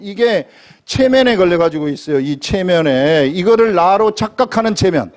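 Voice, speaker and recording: A man preaching a sermon from a church pulpit, his voice sitting fairly high for a man. He keeps putting questions to the congregation and slips into pleading prayer voices to act out his points. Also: darkish tone. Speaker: pastor.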